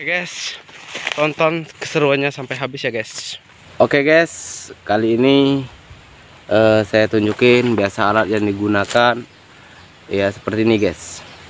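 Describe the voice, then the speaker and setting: A man talks with ordinary pitch variation. Noticeable noise sits in the background. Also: medium pitch for a man, fairly slow pace. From Riau, Indonesia (Indragiri Hilir, Malay native). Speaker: vlogger. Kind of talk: casual vlog narration. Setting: outdoors.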